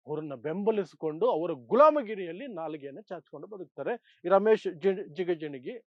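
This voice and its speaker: Male political commentator, high voice, emphatic and opinionated, repeats phrases for effect, dull close recording. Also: no room sound. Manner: emphatic, rhetorical repetition in short phrases. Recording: dull, dry lo-fi sound.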